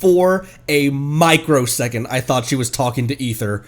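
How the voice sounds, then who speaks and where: A man's voice: mid-range voice, normal speed, a little hiss or hum. A man streaming a game, giving casual, playful commentary as he plays.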